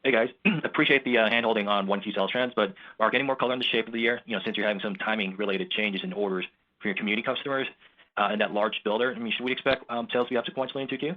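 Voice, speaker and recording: Very fast-talking male analyst. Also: fairly low pitch, steady tone, dull audio. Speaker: financial analyst asking questions. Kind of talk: earnings call questioning.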